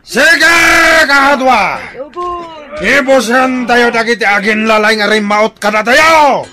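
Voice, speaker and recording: A man's voice: very high-pitched, slow pace, heavy background noise. An actor with a Filipino accent playing a fierce, commanding tribal chief in a radio drama, barking out his orders. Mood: fierce, shouting.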